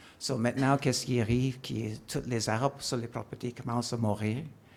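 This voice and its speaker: Speaking with an English accent, a man uses medium pitch and fairly even intonation. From England. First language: English (speaking French). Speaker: resident speaking at public meeting. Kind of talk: public comment at municipal meeting. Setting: community centre public meeting. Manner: halting, many hesitations.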